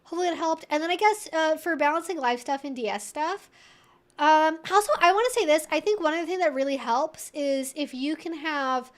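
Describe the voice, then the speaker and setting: A woman hosting a live Q&A, talking casually and explaining things in a conversational, animated way, often acting out imagined thoughts. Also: sits high, fairly quick. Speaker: host of a weekly live Q&A stream. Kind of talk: casual educational chat, answering viewers.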